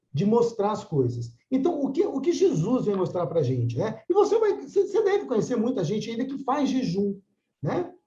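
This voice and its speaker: Animated older man teaching a class. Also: high voice, echoey room, lo-fi sound. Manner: conversational, frequent tag questions. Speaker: course mediator. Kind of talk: religious study class.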